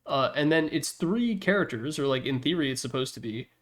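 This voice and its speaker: A man's voice: mid-range voice, expressive, brisk. A man giving casual, opinionated commentary as the host of a ranking, talking in a rambling, blunt, slangy way. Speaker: host ranking video game announcer packs.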